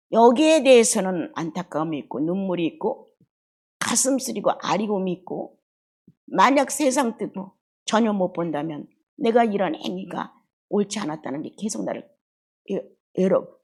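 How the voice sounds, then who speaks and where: Middle-aged woman preaching, gravelly and husky, voice swings all over, loud then whispery. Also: medium pitch. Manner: emotional, swings between loud outbursts and hushed murmurs. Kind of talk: expository sermon.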